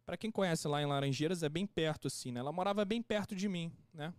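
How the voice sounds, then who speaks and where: A young man, a podcast guest casually telling an anecdote in a slangy, animated way and acting out the quotes. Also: on the high side, quick pace, no echo, studio quality.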